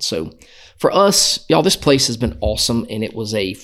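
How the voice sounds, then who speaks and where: At a fairly quick pace, the man talks with a Southern US accent. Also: very clean recording, silent background. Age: 50s. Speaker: financial planner and podcast host. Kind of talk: casual solo podcast talk. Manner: conversational, with fillers.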